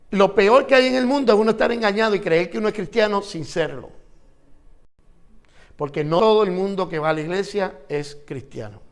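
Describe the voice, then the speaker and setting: A man's voice: high voice, fairly bright tone. A man teaching an interactive Bible class, asking his students questions and repeating phrases for emphasis.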